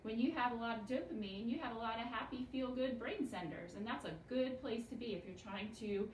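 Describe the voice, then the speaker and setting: A fairly high-voiced woman leads an elementary lesson in a patient, sing-song teaching voice, leading the class through repeat-after-me phrases. Her voice sounds a little far from the mic and echoes in a roomy space with faint background hum. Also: brisk. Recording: echoey room, voice from a distance.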